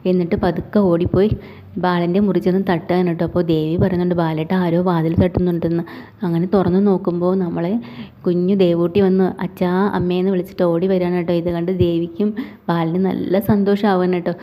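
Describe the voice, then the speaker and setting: Fast flat-voiced woman recapping a serial. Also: lowish voice, highs cut off. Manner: rapid run-on retelling with tag fillers. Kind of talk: casual plot retelling.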